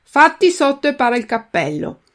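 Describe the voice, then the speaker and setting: A woman voicing a grumpy, irritable old man in a nightcap who shouts crossly from his window. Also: a little high, normal speed, close to an everyday voice. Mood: irritato.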